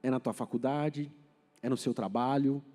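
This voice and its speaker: A man from Paraná preaching a sermon with a Paraná accent, chatty and anecdotal, quizzing the congregation and building to forceful exhortation. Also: medium pitch, fairly even intonation, normal speed. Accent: Paraná Brazilian Portuguese, rolled R. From Paraná, Brazil. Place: church hall. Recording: reverberant church hall with faint music.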